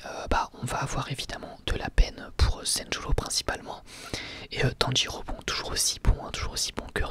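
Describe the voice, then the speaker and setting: A man's voice: mid-range voice, pushed and bright. A man giving a whispered ASMR review of an episode, hesitant, with many fillers and restarts.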